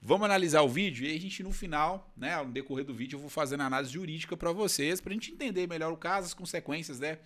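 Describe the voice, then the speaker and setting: Chatty man, slightly high voice. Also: quick pace, few pauses, fairly bright tone. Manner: chatty, addresses viewers directly. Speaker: legal commentator host. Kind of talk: casual video commentary.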